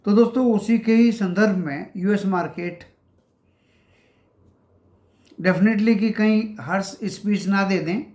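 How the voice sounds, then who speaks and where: A man running a stock market channel offers casual market commentary, addressing viewers as friends and pausing often as he goes through price levels. His voice is high-pitched and a little mellow, heard in an echoey room.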